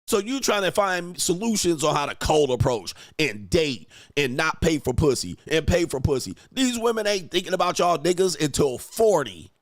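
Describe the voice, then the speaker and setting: A man's voice: a little high, big pitch swings, normal speed, hardly any pauses, no echo, clean studio sound. A man commenting on clips as a dating coach, brash and mocking, swearing and punching words for emphasis. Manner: brash, profane, mocking, with sudden emphatic swells. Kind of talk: provocative reaction commentary.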